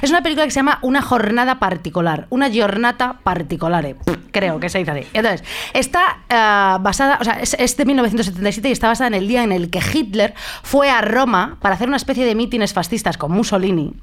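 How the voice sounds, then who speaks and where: A woman's voice: mid-range voice, animated, fast talker. Chatty, swearing Spanish woman host. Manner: chatty and theatrical, swears freely, laughs often. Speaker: radio host. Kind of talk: casual chat on a talk show.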